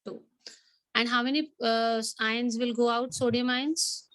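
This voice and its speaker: A woman's voice: fairly high pitch, steady tone, a little slow, a bit bright, no room sound. A woman with a South Asian accent teaching an interactive online class, asking questions, repeating points and switching between two languages. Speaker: biology teacher.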